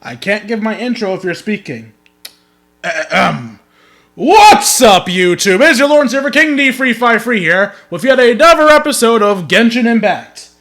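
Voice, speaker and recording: High-pitched man streaming games. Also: sing-song, moderate pace, fairly bright tone. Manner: wry, theatrical, self-deprecating. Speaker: game streamer. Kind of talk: joking livestream game commentary. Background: game music.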